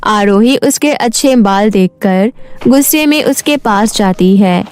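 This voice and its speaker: A woman's voice: mid-range voice, unhurried, darkish tone, clear, resonant tone. A woman giving scripted narration for a cartoon fairy tale.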